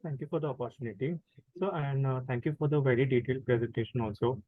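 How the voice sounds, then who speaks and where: A man's voice: medium pitch, fast, no echo. A man with an Indian accent politely asking questions as an analyst on a conference call. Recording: very muffled narrow phone-like call audio.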